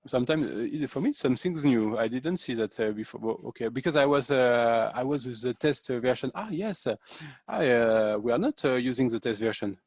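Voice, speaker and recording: A man's voice: medium pitch, expressive, fairly quick, hardly any pauses, dry recording, studio quality. Hesitant man. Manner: hesitant, many fillers and restarts, mixes French into English. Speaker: tutorial host. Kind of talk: casual screen-share tutorial. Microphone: video call.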